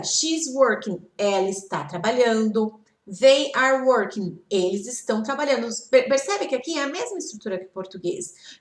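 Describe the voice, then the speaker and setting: Lively-voiced woman teaching grammar, echoey room. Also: fairly high pitch. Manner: patient, slow model phrases, checks in with "ok?". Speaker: English teacher. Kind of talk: slide-based grammar lesson.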